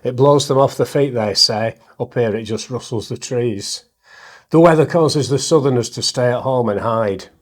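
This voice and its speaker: A middle-aged man from northern England, with the accent to match, speaks at medium pitch and a normal speed. He's an interview guest, a poet and comedian, chatting casually and self-deprecatingly and reciting some poetry along the way.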